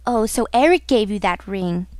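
A woman's voice: mid-range voice, lively intonation, moderate pace, darkish tone, no echo, studio quality, lightly acted. A woman voicing an ardent, jealous young man in a storybook, speaking in an urgent, challenging, dramatic way. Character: ardent, jealous young male suitor, impatient and protective.

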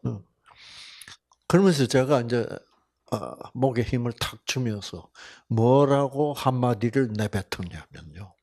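An older man from Busan, giving a Bible lecture with personal testimony, telling stories folksily and swinging between loud exclamations and soft asides. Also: medium pitch, expressive, measured pace. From Korea (Busan). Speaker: health seminar lecturer.

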